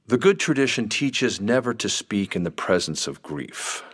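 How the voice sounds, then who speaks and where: A catholic priest in a radio play, fairly deep voice, grave and measured, patiently probing. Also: male voice, big pitch swings, a bit bright, husky, exaggerated voice. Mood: solemn, consoling. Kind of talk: radio drama acting.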